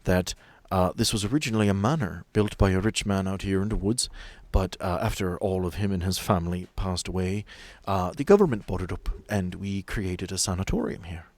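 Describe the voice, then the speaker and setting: A man's voice: low voice, animated, a little fast, a little mellow, no room sound. A man narrating a tabletop horror game as game master, describing scenes in a casual, conversational way.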